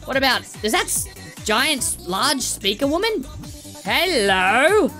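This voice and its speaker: A woman doing playful let's-play commentary, excitable, exclaiming often and talking to the game characters. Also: sits high, a little slow, faint music behind. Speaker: gameplay commentator.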